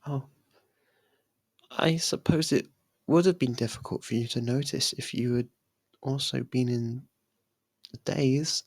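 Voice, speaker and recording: A performer voicing a possessive, lovestruck young faerie royal in an intimate ASMR roleplay, speaking softly and haltingly. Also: mid-range voice, no echo. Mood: worried. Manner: hesitant, halting, soft and pleading.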